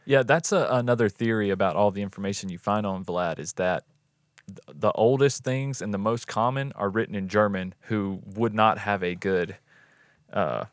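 Male podcast co-host, lowish voice, loose banter, dry mic. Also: normal speed, no room sound. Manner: short reactions, laughs easily, swears casually. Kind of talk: casual true crime podcast banter.

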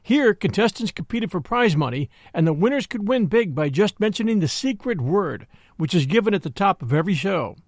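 A man's voice: high-pitched, very animated, fairly quick, no echo, studio quality. A man giving a scripted introduction as a radio show host.

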